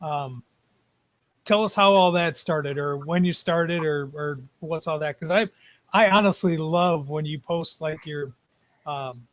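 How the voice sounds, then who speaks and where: A man's voice: fairly high pitch, unhurried, a bit bright, no echo. A man hosting a casual interview, chatting informally. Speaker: podcast host.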